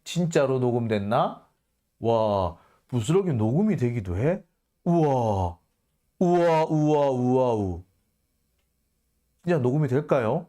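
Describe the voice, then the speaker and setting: A man's voice: medium pitch, animated, slow, pauses often, mellow. A male host giving casual commentary on a news report, sarcastic and indignant, firing off mocking rhetorical questions.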